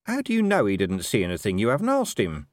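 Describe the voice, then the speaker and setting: A man voicing a gruff, weary, sardonic city watch commander in a story, demanding and sceptical. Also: fairly low pitch, huge pitch swings, fast, no echo, studio quality.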